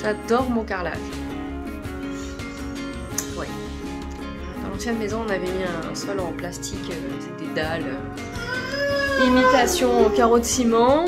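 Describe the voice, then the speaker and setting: Rambling woman vlogger, music behind. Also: fairly high pitch. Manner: rambling, self-interrupting. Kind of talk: casual chat to followers. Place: at home, kitchen.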